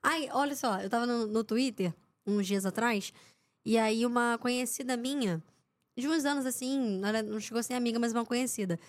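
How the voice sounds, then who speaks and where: Guest: young woman, reporter, slightly high voice, animated storyteller who imitates the people in her stories. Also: a little fast. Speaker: podcast guest, sports reporter. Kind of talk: casual anecdote-telling in a podcast interview.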